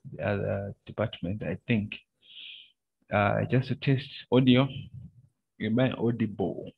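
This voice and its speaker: Male lecturer, screen-recorded call audio, low gravelly voice, unhurried halting delivery. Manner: slow, halting, many pauses and filler sounds. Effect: screen-recorded video-call audio. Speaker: university lecturer. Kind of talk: online lecture over shared screen. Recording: narrow, phone-like video-call audio.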